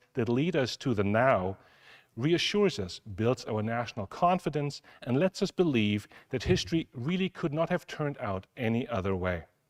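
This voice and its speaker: A man with a German accent speaks at a moderate pace and medium pitch, his voice making very wide pitch swings. The recording is very clean with a silent background, and the sound is dry and close with no echo. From Germany. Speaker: history professor. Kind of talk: lecture.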